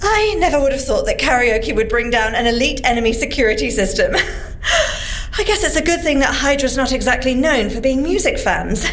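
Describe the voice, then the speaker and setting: A woman playing a sensible, gently exasperated young scientist agent in an audio drama. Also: sits high, sing-song, normal speed, slight background noise. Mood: amused, practical. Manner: precise, articulate, gently chiding. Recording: echoey, music bed underneath.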